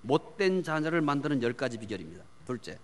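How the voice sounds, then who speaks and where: A man preaching a sermon on parenting, asking the congregation questions and answering them himself, swinging from loud emphasis to hushed near-whispers. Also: mid-range voice, very animated, fast. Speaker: pastor. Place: church sanctuary. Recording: long church hall reverb.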